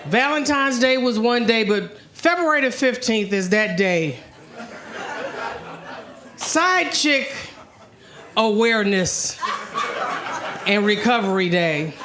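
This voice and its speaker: A woman in her sixties from Virginia doing a bold, confessional stand-up set in a comedy club, dropping to a hush for her asides. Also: on the high side, expressive, takes it slowly, long pauses. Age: 60s.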